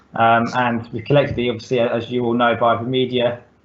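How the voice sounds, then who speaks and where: A man speaks at a very fast pace. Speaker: volunteer first responder. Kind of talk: presentation. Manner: halting.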